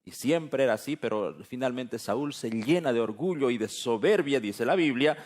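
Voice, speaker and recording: A man from Bolivia preaching a sermon, retelling a Bible story in an animated, dramatic way with asides to his listeners. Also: mid-range voice, moderate pace.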